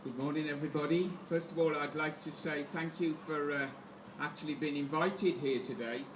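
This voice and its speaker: A man with a Black Country accent giving an impassioned trade union speech at a rally, with halting restarts. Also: on the high side, fairly even intonation, roomy sound, background noise. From England, West Midlands.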